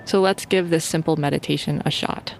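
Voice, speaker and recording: Woman guiding sleep meditation, slightly creaky voice. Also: sits low, steady tone, a little fast, faint music behind. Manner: informal, playful, soothing. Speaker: meditation guide.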